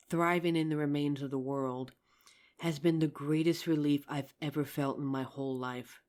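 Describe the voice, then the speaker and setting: A performer playing a regretful, tender zombie apocalypse survivor in an intimate audio roleplay, speaking earnestly with hesitant pauses. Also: mid-range voice, darkish tone, close to an everyday voice. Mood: tender, vulnerable. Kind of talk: ASMR audio roleplay, intimate scripted drama.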